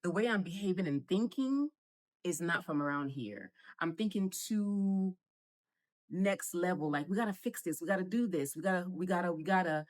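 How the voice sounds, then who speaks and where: A middle-aged woman from Nigeria with an American accent, a guest chatting in an interview, animated and quick to laugh. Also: lowish voice, dry recording. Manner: animated, laughs often, repeats words when starting. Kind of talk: casual interview conversation.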